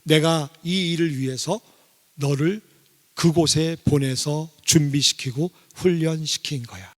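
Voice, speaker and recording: A male preacher voicing God as a calm, fatherly male figure in a testimony, speaking slowly and deliberately. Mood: solemn. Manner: slow, lowered, deliberate delivery. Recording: long church hall reverb.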